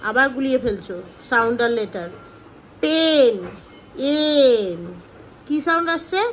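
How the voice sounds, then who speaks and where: High-voiced Bengali mother vlogging at home. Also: quick pace, slight background noise. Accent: West Bengal Bengali. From West Bengal, India. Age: 20s. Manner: sing-song coaxing to small children; calm chatty asides to viewers. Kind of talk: casual home vlog. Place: apartment at home.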